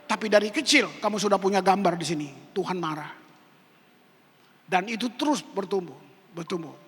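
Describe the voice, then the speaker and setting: A man's voice: sits high, moderate pace, a bit bright. A male pastor preaching a sermon, telling personal stories with acted-out quotes in casual slang. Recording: echoey hall with music behind.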